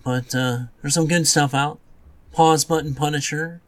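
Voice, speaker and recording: A man's voice: on the high side, steady tone, unhurried, slight background noise. A man co-hosting a podcast, chatting casually and informally. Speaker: podcast co-host. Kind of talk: casual chat about movies and video games.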